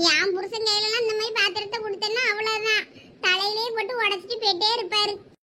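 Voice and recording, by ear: Using a cartoonish character voice, a woman speaks at an extremely high pitch with monotone, flat intonation. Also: moderate pace, very even loudness.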